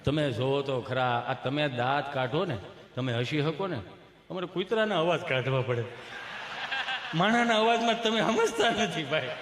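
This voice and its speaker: High-pitched Kathiawadi comedian in a ringing hall. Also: male voice, normal speed. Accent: Kathiawadi Gujarati. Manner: lively, chatty, often laughing with the crowd. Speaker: stand-up comedian. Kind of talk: live folk comedy storytelling. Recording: echoey live hall recording.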